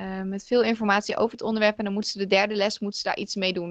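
Very fast and monotone, a woman talks at a medium pitch in a dry, close sound with no echo. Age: 30s. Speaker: Dutch language teacher. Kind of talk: interview. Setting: online call. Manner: hesitant, many fillers.

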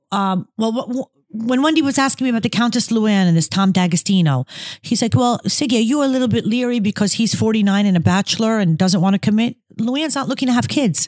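Somewhat breathy speech at a fairly quick pace, with lively intonation and a dry, close sound with no echo. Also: woman, fairly high pitch for a woman. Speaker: podcast co-host. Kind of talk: casual chat.

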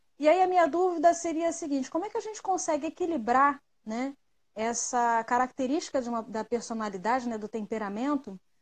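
The speaker talks at a fairly quick pace, with very wide pitch swings and big swings in loudness. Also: woman, high pitch for a woman. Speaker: caller. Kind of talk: casual chat. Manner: halting. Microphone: connection cutting out.

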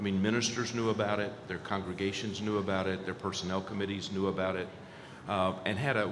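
Against noticeable background noise, a man talks with fairly low pitch. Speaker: benefits board leader. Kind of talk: informational interview.

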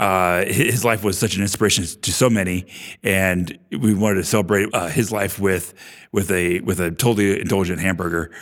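A man with a Midwestern accent talks at a fairly quick pace with a very deep, low pitch and fairly even intonation on a very clean recording with a silent background. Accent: General American (Midwest). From US Midwest (Cedar Rapids, Iowa). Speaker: executive chef. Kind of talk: interview.

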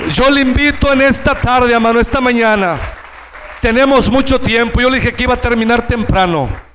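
With crowd noise in the background and audible room echo, a man talks at a fairly quick pace and an extremely high pitch, using fairly even intonation and very even loudness. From Mexico, Nayarit. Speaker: preacher. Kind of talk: sermon.

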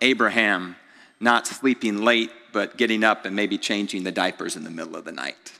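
A man speaks at a medium pitch with ordinary pitch variation in an ordinary speaking voice. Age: 40s. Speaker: pastor. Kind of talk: sermon.

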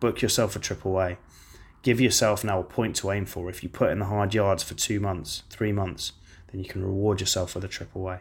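Delivered at a fairly quick pace, the somewhat breathy voice stays monotone and flat, captured in a very clean recording with a silent background. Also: man. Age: 30s. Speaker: dating coach. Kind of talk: casual monologue. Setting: outdoors on a balcony.

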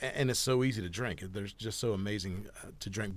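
On a very clean recording with a silent background, a man with an American accent uses a normal speaking voice, fairly low in pitch, at a fairly quick pace with fairly even intonation. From Georgia, US South. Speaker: beer buyer and former brewer. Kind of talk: casual chat. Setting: studio.

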